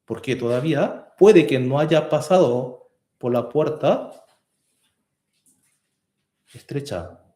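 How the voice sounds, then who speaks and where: A man preaching a sermon as pastor, earnest and rising to forceful emphasis. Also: medium pitch, slow, long pauses, roomy sound. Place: church hall.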